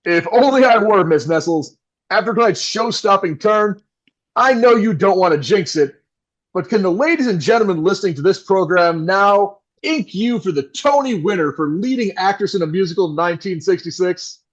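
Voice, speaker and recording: A man's voice: high voice, expressive, moderate pace, dull audio. A man playing a flustered, melodramatic 1960s New York radio host with theatrical announcer delivery in an audio drama. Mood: gushing, theatrical.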